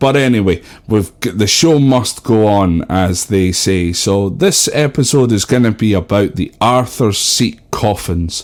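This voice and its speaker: Fairly low-pitched with ordinary pitch variation, a man speaks at a fairly slow pace with hardly any pauses. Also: very even loudness. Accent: Scottish. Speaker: history podcaster. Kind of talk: history podcast narration.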